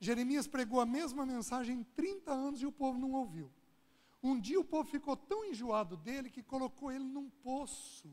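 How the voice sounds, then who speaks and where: A man's extremely high-pitched voice with lively intonation at a moderate pace. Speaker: guest preacher. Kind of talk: sermon testimony.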